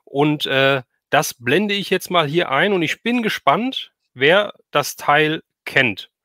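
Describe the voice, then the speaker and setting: A man's voice: a little high, lively intonation, slow, sharp tone, no echo, studio quality. A middle-aged man, chatting casually and reminiscing as he hosts a livestream. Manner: reminiscing, conversational. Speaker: livestream host. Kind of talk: casual chat.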